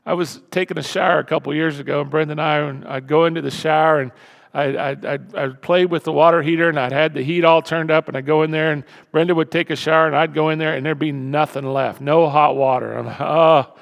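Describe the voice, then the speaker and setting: Pastor de voz rouca em salão com eco. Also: male voice, on the high side, a little fast, creaky. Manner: animated, repetitive, swings from loud to hushed. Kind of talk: sermon. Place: church sanctuary. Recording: reverberant church hall.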